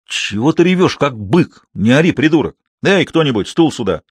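A gruff, greedy troupe manager in a storybook reading, put on by a man. He blusters and swears in a raised, pushed-up voice. The recording is dry and close. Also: sits high, lively intonation, fast talker, no room sound, pitched above the performer's own voice. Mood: agitated. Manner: blustering, cursing.

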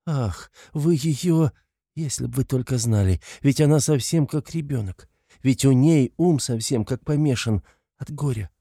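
A man reading an audiobook, voicing a timid, pleading poor young woman who talks in soft, halting, flustered tones. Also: mid-range voice, no room sound, studio quality, close to an everyday voice. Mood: anguished pleading.

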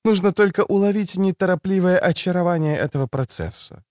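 A man's voice: high voice, a little fast, a little mellow, dry recording, studio quality, voice pushed up, natural voice. A man reading an audiobook, voicing a languid, provocative adult woman in a scheming mood. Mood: teasing. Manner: drawling, provocative.

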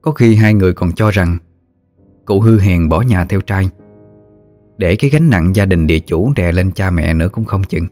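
A man narrating a ghost story in a measured, plaintive way. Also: deep voice, mellow, soft background music.

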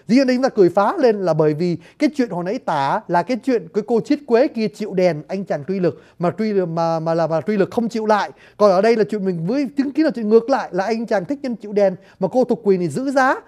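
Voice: mid-range voice, expressive, fast talker, hardly any pauses, darkish tone. A storyteller explaining a stage play to listeners in a chatty, joking way, often addressing them directly. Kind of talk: lively spoken commentary to listeners.

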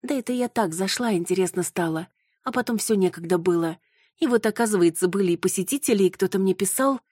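A woman's voice: medium pitch, quick pace, mellow, husky, dry recording, studio quality, voice pushed up, natural voice. A woman voicing an indignant young woman. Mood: embarrassed. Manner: indignant, exclaiming. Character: flustered young woman, quick to outrage.

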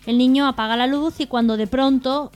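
A woman co-hosting a radio humor show, reading jokes aloud in a brisk, even way. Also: high voice, faint music behind.

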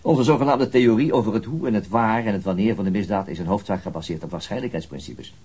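A man's voice: lowish voice, fast talker, a little mellow, slightly rough. A man playing a methodical middle-aged police detective and father in a naturalistic radio drama, dryly reasoning things through. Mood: dry, reflective.

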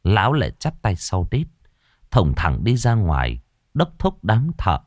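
A man narrating a ghost story. His voice is somewhat low with a very lively, swinging melody. The recording is close and dry, with no room sound. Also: measured pace, no room sound.

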